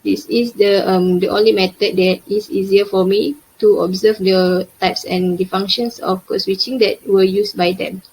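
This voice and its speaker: Malaysian-accented girl reading her research talk, bit husky, lots of uhs. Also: medium pitch, fairly even intonation, normal speed, hardly any pauses, a little mellow, poor audio. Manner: careful, hesitant delivery with frequent "uh" fillers. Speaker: student presenter. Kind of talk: reading an academic presentation.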